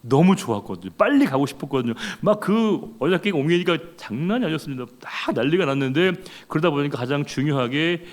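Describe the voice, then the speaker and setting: A man's voice: fairly high pitch, lively intonation, fast, few pauses. A middle-aged man preaching a sermon as a pastor, talking conversationally and putting rhetorical questions to the congregation.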